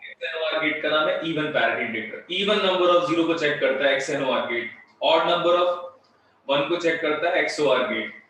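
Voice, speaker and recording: A man teaching in a fairly high voice, with his words bouncing back in a heavy canyon-like echo. He sounds distant from a studio mic, with faint noise underneath. He talks in a straight, firm and blunt way. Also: moderate pace. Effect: heavy echo, as if shouting in a canyon. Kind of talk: live online electronics class.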